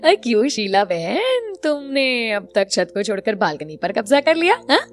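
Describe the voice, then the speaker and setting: A woman voicing a nosy, mocking middle-aged neighbor in an animated story. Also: fairly high pitch, moderate pace, faint music behind. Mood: taunting. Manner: taunting.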